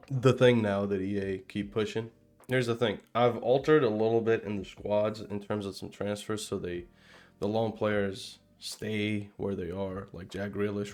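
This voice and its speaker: A young man from Palestine, raised in Denmark, casually talking through a football game setup as a gaming channel host, rambling with many fillers and restarts. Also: lowish voice. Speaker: gaming YouTuber. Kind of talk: casual gameplay commentary.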